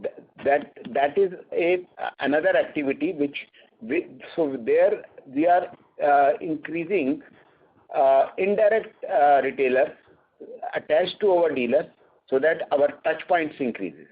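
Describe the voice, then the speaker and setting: A man with an Indian accent answering questions as a company executive, speaking haltingly and repeating words. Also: a little high, husky. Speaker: company executive on an earnings call. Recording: narrow, tinny phone line.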